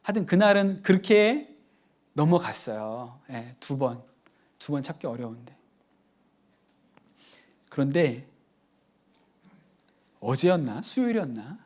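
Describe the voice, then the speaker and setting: Animated male pastor telling a story. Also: on the high side, takes it slowly, long pauses. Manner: animated, chatty anecdotes with audience asides. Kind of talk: conversational sermon storytelling.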